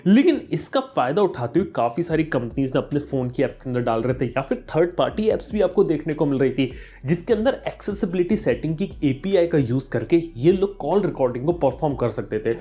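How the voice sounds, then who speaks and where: Mellow, higher-voiced man explaining. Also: sing-song, brisk. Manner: explanatory, addresses viewers directly, mixes in English terms. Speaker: tech YouTuber, host. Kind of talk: explainer vlog, conversational commentary.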